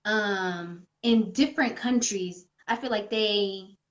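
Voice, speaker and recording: A woman's voice: medium pitch, slow pace. A woman hosting a casual interview, chatty and giggly, often saying "I feel like". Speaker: podcast host. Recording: dull muffled sound.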